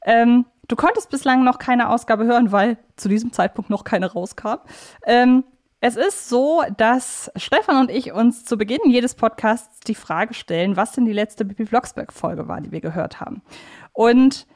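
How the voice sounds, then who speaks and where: Higher-voiced woman hosting a podcast. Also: normal speed, darkish tone. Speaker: podcast host. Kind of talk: chatty podcast interview hosting.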